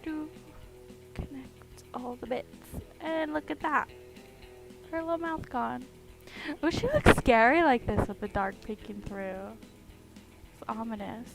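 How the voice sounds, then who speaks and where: A woman's voice: on the high side, unhurried, gravelly, pauses often, poor audio. A woman chatting casually on a live stream while she carves, with a groggy morning voice, giggling, rambling and humming to herself. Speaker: streamer carving pumpkins. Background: music playing in the background.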